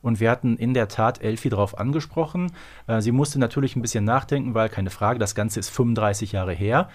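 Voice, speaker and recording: A man's voice: mid-range voice, fairly quick, darkish tone. Chatty middle-aged man, casual podcast host. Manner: chatty, exclamatory, colloquial. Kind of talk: casual fan discussion.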